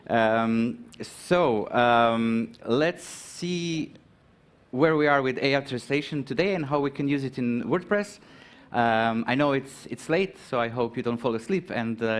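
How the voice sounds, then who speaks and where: A man from Croatia giving a conference talk, hesitant, with many ums and restarts. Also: mid-range voice. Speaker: conference speaker. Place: conference hall.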